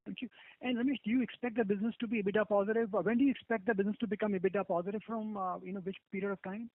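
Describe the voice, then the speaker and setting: High-pitched, quick male analyst by phone. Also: steady tone, no room sound. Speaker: analyst asking questions. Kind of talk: earnings call questions. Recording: dry, narrow phone line.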